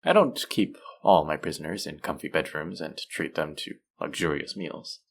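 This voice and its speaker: A man playing a suave, manipulative supervillain in an intimate audio roleplay, measured and teasing, softly menacing yet tender toward his captive. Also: expressive, full character voice. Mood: confiding, menacing. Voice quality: low, creaky voice.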